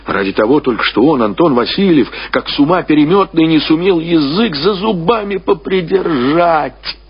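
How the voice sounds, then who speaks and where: A man reading classic fiction as a narrator, in measured, expressive storytelling with deliberate pauses. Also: on the high side, a little hiss or hum. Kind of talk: scripted literary narration. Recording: dull, lo-fi radio-style recording.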